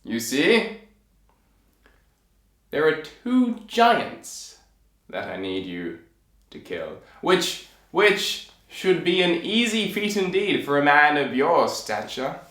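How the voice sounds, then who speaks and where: A scheming, imperious king from a storybook, performed by a male storyteller. He speaks in grand, drawn-out phrases with sweeping pitch. The sound is echoey. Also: very animated, fairly bright tone, heavily acted. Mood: scheming, commanding. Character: booming, imperious, scheming old-fashioned king.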